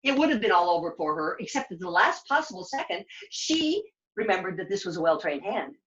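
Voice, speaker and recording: A woman's voice: on the low side, big pitch swings, fairly quick, a bit bright. A woman puppeteer telling a children's puppet-show story as its narrator. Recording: dull lo-fi sound.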